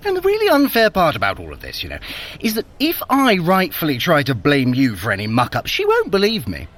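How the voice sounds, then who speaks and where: A man's voice: a little high, huge pitch swings, a little fast, fairly bright tone, exaggerated voice. A male actor playing a sardonic, fussy trickster god in an audio drama, with theatrical, scornful, aristocratic delivery. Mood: scornful, exasperated. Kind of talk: scripted audio drama dialogue.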